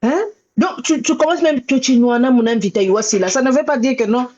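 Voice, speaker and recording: A woman's voice: sits high, brisk, a little mellow, muffled recording. A woman hosting a casual live video chat, talking emphatically, repeating herself and mixing in Kikongo words. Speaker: host of a live show. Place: in America.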